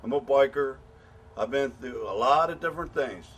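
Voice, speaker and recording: A man's voice: mid-range voice, animated, normal speed, fairly bright tone. A middle-aged American man making an impassioned spoken appeal, blunt and angry, pleading and repeating himself with many restarts. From United States. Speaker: patient advocate.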